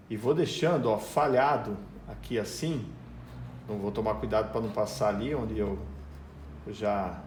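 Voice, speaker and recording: A man's voice: on the low side, echoey room, slight background noise. A man with a Brazilian Portuguese accent teaching painting step by step, chatting casually as he works in his home garage. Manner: chatty, explains as he works, talks to his dog. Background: dog whining and barking.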